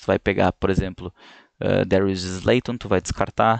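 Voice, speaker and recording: A man's voice with ordinary pitch variation, in a dry, close sound with no echo. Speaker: fantasy football podcast host. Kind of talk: solo podcast analysis. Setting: at home. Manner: speaking more quietly than usual; halting, many fillers.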